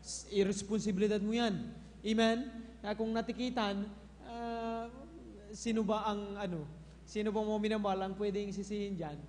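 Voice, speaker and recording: A man's voice: high-pitched, steady tone, moderate pace, pauses often, a little mellow. A man giving a church testimony to a congregation, telling his story and often addressing them as beloved. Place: church hall. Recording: echoey hall with faint noise.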